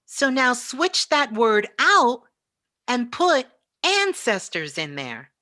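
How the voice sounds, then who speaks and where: A woman's voice: on the high side, huge pitch swings, slow, pushed and bright, dry recording, clean studio sound. A woman giving a spiritual motivational talk as a teacher, speaking emphatically and repeating phrases for effect.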